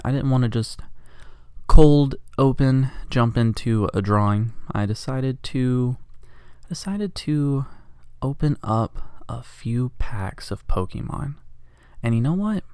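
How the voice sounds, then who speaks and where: A man's voice: lowish voice, smooth, dry recording, studio quality. A congested man rambling jokily and casually as he narrates his drawing for a vlog at home. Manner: rambling, jokey, self-deprecating. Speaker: art vlogger.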